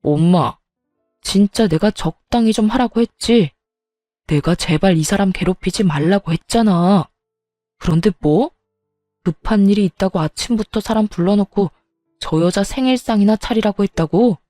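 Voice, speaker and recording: A woman's voice: normal speed, warm tone, no echo, clean studio sound, soft background music, close to an everyday voice. A woman voicing a protective husband who confronts his mother firmly and angrily in a told story. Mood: angry. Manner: low, firm, angry confrontation. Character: protective husband, man in 30s, stern and furious.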